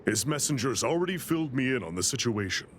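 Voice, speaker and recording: A man's voice: mid-range voice, sing-song, quick pace, natural voice. A man voicing an easygoing young tribal guide in a video game, explaining things in a casual, offhand way. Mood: casual, explanatory. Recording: faint background noise.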